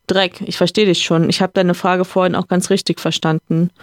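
A podcaster reading a novel aloud, voicing a calm, reflective gentleman who lectures his friend in a slightly raised voice. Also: medium pitch, normal speed, dry recording, studio quality, lightly acted. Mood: earnest lecturing.

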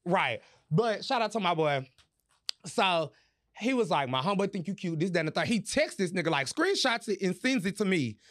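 A man hosting a podcast, telling a story in casual chat, animated and profane, laughing as he goes. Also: high voice, normal speed. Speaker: podcast host.

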